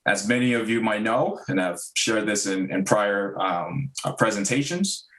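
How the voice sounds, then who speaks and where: A man in his thirties, originally from Ghana, speaks to a public school meeting in a fairly low voice. His delivery is earnest and measured, dotted with um and uh. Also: fairly bright tone, poor audio. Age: 30s. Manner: earnest, measured, frequent um and uh fillers. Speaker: district diversity director. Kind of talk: prepared remarks at a public meeting.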